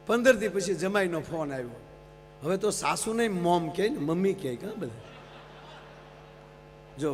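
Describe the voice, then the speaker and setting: A man tells folk comedy stories to a live crowd, turning to the audience between jokes. His voice carries a long hall reverb, and faint music plays behind him. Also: sits high. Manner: lively storytelling with acted quotes and asides to the audience. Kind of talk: Gujarati folk stage humor storytelling.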